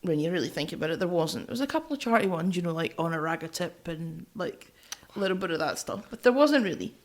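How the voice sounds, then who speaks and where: A woman's voice: on the low side, animated, fast. A Scottish woman co-hosting a podcast, talking through music informally in a chatty, teasing way. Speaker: podcast co-host. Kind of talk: casual music discussion, explaining from notes.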